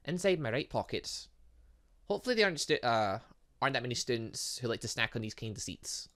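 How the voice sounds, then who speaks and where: A man's voice: mid-range voice, sharp tone. A man reading visual novel dialogue aloud as a gaming host, breaking off into casual asides and exclamations.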